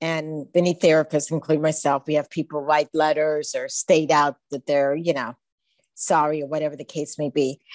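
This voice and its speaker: A woman speaks at a moderate pace with a very deep, low pitch and monotone, flat intonation. The sound is dry and close, with no echo. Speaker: podcast host. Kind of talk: interview chat.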